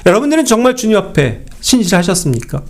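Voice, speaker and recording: A male preacher delivers a sermon and keeps turning to the congregation with rhetorical questions. His voice sits high, and his pitch rises and falls a great deal. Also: big pitch swings, fast.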